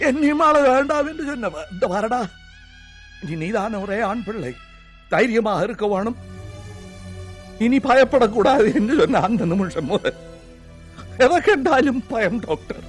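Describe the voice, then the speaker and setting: An actor playing a timid man with a Sri Lankan Tamil accent who is afraid of everything, reeling off his fears to a doctor in rapid rhyming lists. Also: very high-pitched, expressive, faint music behind. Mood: sorrowful telling. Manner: rapid rhyming list-like recitation, nervous. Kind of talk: film comedy acting.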